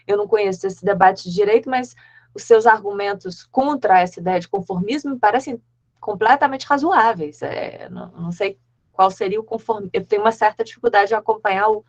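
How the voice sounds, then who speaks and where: A woman academic giving a discussant's comments on a video call, thinking aloud with many halting restarts. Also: medium pitch. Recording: dull lo-fi call audio.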